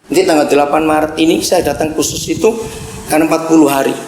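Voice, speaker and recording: A man preaching a sermon as pastor, impassioned and at times shouting, often calling out to his congregation. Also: a little high, steady tone, fast talker, roomy sound, slight background noise.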